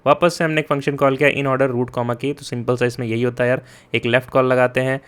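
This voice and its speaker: A young man, a coding tutor, giving a casual spoken lesson. He talks to his students directly, checks in with them often, and explains slowly and deliberately. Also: medium pitch, level tone, clear, resonant tone. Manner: mixes Hindi and English, chatty with frequent "yaar" and "theek hai?"; addresses students directly and urges them to take notes.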